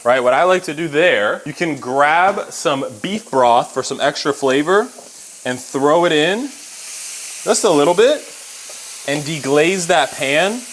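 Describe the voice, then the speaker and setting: A man's voice: on the high side, lively intonation, takes it slowly, fairly bright tone, a little hiss or hum. A man giving a casual, chatty cooking demonstration, explaining each step directly to viewers as a home cook. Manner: chatty, instructive, talking to viewers. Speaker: home cook presenting a recipe.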